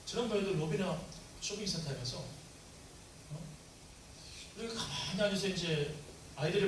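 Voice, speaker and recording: A man's voice: fairly high pitch, noisy background. A man preaching a sermon to a congregation, asking them questions and acting out prayers in a raised voice. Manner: conversational preaching with call-and-response questions; acts out quoted prayers in raised voice. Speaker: pastor. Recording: echoey room from a distance with faint ambience.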